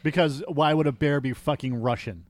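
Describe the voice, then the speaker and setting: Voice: medium pitch, fairly quick. A podcast co-host in casual comedic banter, sounding exasperated and swearing freely. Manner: exasperated, profane, animated.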